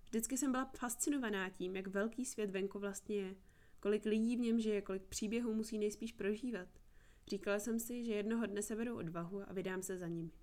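A woman's voice: medium pitch, fairly even intonation, a little mellow, natural voice. A woman reading a captive young woman, earnest. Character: young woman held captive, eager and bitter. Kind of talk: audiobook reading.

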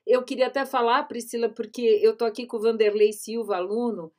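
A woman's voice: fairly high pitch, steady tone, a little fast, darkish tone. A woman, a commercial voice-over artist, hosting a casual live panel chat over a video call in a conversational, engaged way.

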